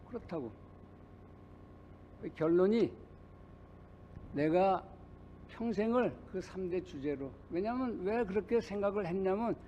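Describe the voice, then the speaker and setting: An older male pastor preaching a sermon, telling a personal story in a halting way with many pauses. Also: high-pitched, warm tone, slight background noise. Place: church sanctuary.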